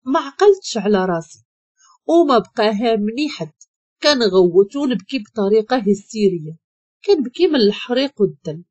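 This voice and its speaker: A woman's voice: on the high side, warm tone, no room sound, muffled recording. A woman with a Moroccan accent reading a first-person dramatic story in an earnest, dramatic way.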